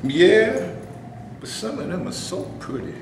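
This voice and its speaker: A man's voice: high-pitched, sing-song, measured pace, exaggerated voice. A man playing a boastful, resentful black actor in a staged reading before a live audience, in a very echoey room with faint noise. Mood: indignant. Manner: indignant, boastful.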